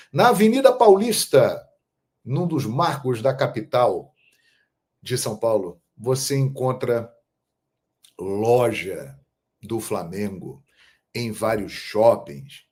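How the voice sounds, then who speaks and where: A man from Brazil hosting a football channel, telling stories in a measured, emphatic monologue. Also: on the low side, darkish tone. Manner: measured, storytelling, emphatic on key phrases. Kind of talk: casual monologue to camera.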